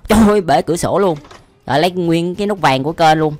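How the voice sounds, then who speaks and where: A man's voice: fairly high pitch, fast talker, darkish tone, soft background music. Southern Vietnamese man doing exclamatory reaction commentary. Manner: slangy, frequent exclamations and laughter. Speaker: reaction video host. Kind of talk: casual, exclamatory reaction commentary over animation.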